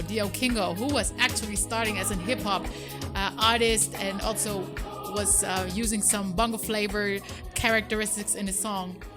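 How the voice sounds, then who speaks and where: A woman hosting a radio show in a studio, relaxed and chatty, with fillers and self-deprecating asides. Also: mid-range voice. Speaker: radio host. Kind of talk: radio show presenting and interviewing.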